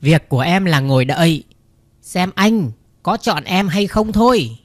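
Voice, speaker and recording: A man's voice: high-pitched, lively intonation, measured pace, dry recording, pitched above the performer's own voice. A man reading the part of a cocky young boyfriend who talks down to his girlfriend in a condescending way. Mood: smug.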